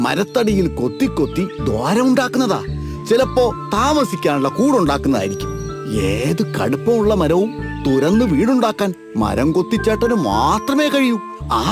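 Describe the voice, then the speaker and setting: A performer voicing a kindly animal neighbour explaining things to youngsters in a children's cartoon, over music. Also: medium pitch. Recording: music bed behind the voice.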